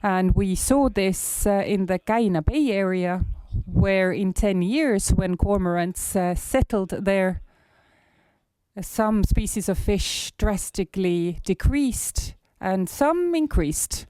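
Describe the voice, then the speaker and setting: A man with an Estonian accent, hoarse today, giving a research presentation in a halting way with many filler sounds. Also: sits high, darkish tone, no room sound. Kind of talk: conference presentation.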